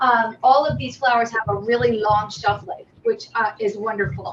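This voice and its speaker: In a Philadelphia accent, a woman speaks at a moderate pace with a fairly high pitch. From Philadelphia, US Northeast. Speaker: florist. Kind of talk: tutorial. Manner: casual, chatty.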